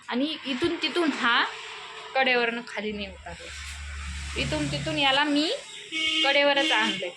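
A young woman talks to her viewers on a phone camera in a small shop, chatty and frank about her busy day. Her voice sits a little high, and the sound of vehicles on a nearby road comes through clearly. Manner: chatty, scolding and coaxing her children. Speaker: vlogger, mother of two small children. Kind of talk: casual family vlog chat to viewers. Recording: phone audio with clear traffic noise. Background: traffic noise from the road.

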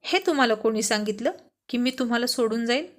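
A woman voicing a young devoted wife who speaks with earnest, emotional warmth in storybook dialogue. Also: on the high side, fast talker, natural voice. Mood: earnest, teasing.

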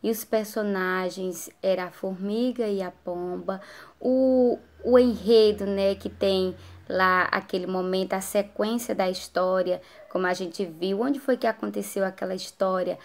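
A woman teacher giving a recorded lesson to adult students, explaining slowly and checking in with frequent tag questions. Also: medium pitch, steady tone.

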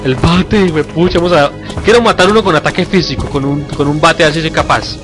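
A young man with a Colombian accent giving excitable let's-play commentary at his computer, yelping and swearing at scares. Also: on the high side, a little fast. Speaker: gamer. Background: game music.

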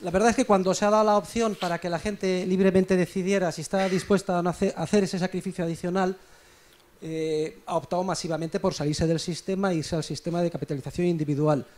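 Guy economist at a conference, high voice, lecturing and emphatic. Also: fairly even intonation, fast, a little mellow. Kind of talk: explanatory speech at a conference debate.

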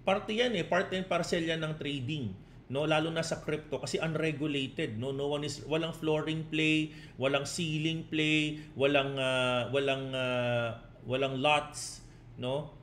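A man's voice: on the high side, unhurried, fairly bright tone, slight background noise. A man, a crypto trading coach on a casual live stream who mixes Tagalog and English, reads out chat comments and keeps tagging his points with 'no?' and 'di ba?'.

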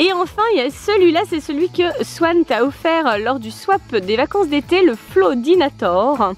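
A woman with a strikingly high voice hosts a family toy-review vlog outdoors beside a pool. She talks in a playful, teasing way and laughs often. Soft music plays faintly behind her. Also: sing-song, normal speed. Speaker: mother and channel host.

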